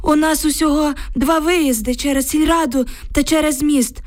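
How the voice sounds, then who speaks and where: A woman's voice: high-pitched, fairly even intonation, normal speed, voice pushed up, natural voice. A woman voicing a frightened village man of about seventy, who tells his news in a lamenting, emotional way.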